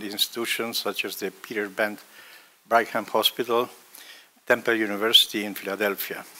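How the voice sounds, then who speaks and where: Here is a man with a Hungarian accent and a bright, sharp tone. He moves at a fairly quick pace with fairly even intonation. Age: 70s. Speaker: award presenter at a gala. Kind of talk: award introduction speech. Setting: gala event with audience. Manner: halting, many fillers.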